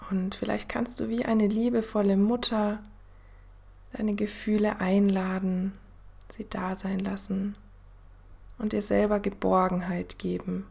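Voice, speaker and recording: Slow, breathy woman guiding a meditation like sleep-story narration. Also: mid-range voice, flat delivery. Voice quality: soft, breathy, often dropping into near-whisper. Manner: gentle, unhurried, with long pauses. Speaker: podcast host and meditation guide.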